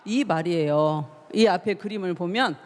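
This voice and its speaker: A woman pastor preaching to a youth service, telling the story with lively rhetorical questions to her listeners. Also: fairly low pitch, normal speed. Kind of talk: youth sermon. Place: church hall. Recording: long reverb of a church hall.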